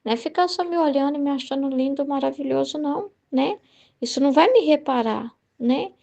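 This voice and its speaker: A woman's voice: sits high, fairly quick, gravelly, mellow, lo-fi sound. A woman with a Brazilian Portuguese accent voicing a fatherly male divine teacher who urges his listener to get to work, repeating herself in exasperation. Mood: urging, exasperated. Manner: urging, exasperated repetition.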